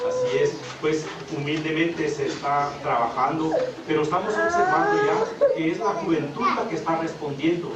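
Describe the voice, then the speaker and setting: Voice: mid-range voice, big pitch swings, normal speed, hardly any pauses, dull audio. A radio host leading a live interview, thanking the guests and addressing the listeners formally as brothers and sisters. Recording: echoey room from far off, loud noise.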